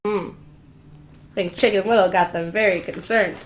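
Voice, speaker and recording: A woman's voice: mid-range voice, fairly even intonation, moderate pace. A woman teacher giving an interactive storybook read-aloud for young children, repeating words and asking questions to invite answers. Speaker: preschool teacher reading aloud.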